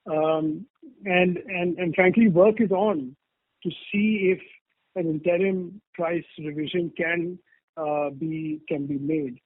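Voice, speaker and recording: A man with an Indian accent answering earnings call questions as a company executive, measured, hesitant and careful, over a telephone line. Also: fairly high pitch, dry recording. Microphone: telephone conference line. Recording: tinny narrow phone line.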